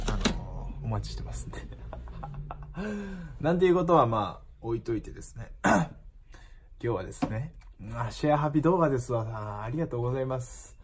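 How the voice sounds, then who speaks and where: A man's voice: mid-range voice, a little mellow, a little hiss or hum. A man chatting casually as he unboxes a gift parcel, musing aloud and reading out the labels as the shop owner and channel host.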